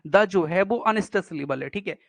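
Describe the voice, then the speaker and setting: A man's voice: high voice, vocal fry, no room sound. A man teaching poetic meter in an exam-prep lesson, explaining step by step, asking questions and answering them himself. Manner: reads poetry lines slowly, syllable by syllable. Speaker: English literature teacher.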